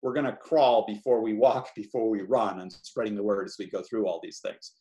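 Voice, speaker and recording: A man's voice: lowish voice, fairly even intonation, fairly quick, mellow. A man giving an informal, explanatory webinar presentation as a project lead on a video call. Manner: conversational, explanatory.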